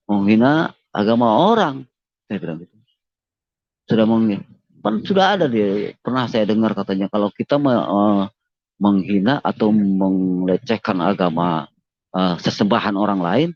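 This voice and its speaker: A man's voice: on the low side, a little mellow, no echo. A man giving an emotional personal testimony in an interview, earnest, repeating himself and politely addressing his listener as sir. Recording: dull lo-fi dry recording.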